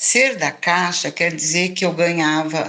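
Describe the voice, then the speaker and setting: The speaker is a woman. She talks at a fairly low pitch. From São Paulo state, Brazil. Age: 70s. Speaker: mother and grandmother telling childhood story. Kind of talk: personal storytelling.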